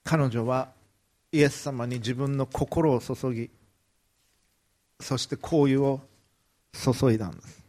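A man's voice: mid-range voice, takes it slowly, pauses often, darkish tone. A man preaching a sermon, retelling a Bible story vividly and briefly acting out the quoted lines. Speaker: pastor.

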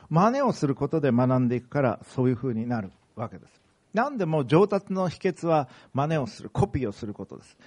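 Lively Japanese pastor preaching. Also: male voice. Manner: measured preaching with pauses and lively pitch. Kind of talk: sermon.

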